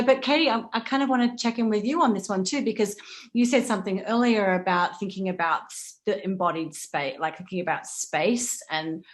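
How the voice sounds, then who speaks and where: A woman with a medium-pitched voice talks casually on a panel. Her phrasing is loose and conversational as she steers the discussion.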